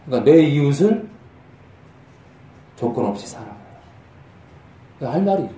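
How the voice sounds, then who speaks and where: A middle-aged male pastor giving a sermon in a conversational, animated way that rises to emphatic peaks. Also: medium pitch, unhurried, recorded from a distance, slight background noise. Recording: echoey room from off mic.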